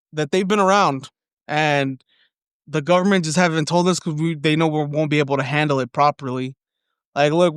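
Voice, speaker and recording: A man co-hosting a podcast in casual chat, profane and excitable as he spins theories. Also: fairly high pitch, clean tone, no room sound, clean studio sound. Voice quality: occasional stutter and slight lisp when frustrated. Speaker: podcast co-host.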